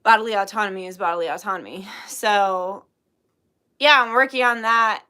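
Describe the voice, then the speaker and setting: Bright-voiced young woman chatting on a livestream. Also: medium pitch, normal speed. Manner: laughs often, joking and swearing freely. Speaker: tarot reader livestream host. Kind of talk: casual livestream chat, reading chat messages.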